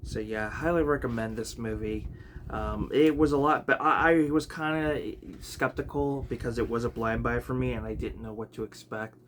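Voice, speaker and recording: A man chatting casually about his video collection, rambling with many fillers and restarts, his voice a bit raspy. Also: medium pitch, steady tone, normal speed. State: raspy, clearing throat. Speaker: home video collector vlogger. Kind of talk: casual unscripted chat. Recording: noticeable background noise.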